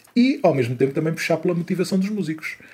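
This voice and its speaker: Somewhat breathy and dark, mellow in tone, a man speaks with lively intonation on a very clean recording with a silent background. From Portugal, Fermentelos near Águeda (Aveiro district). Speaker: composer and conductor. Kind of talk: interview conversation. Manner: hesitant, many fillers and repetitions.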